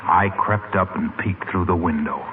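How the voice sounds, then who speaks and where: A man playing a smooth, persuasive announcer who spins a sales story in a 1940s radio comedy. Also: low voice, moderate pace, narrow, tinny audio, lightly acted. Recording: scratchy old radio broadcast with hiss.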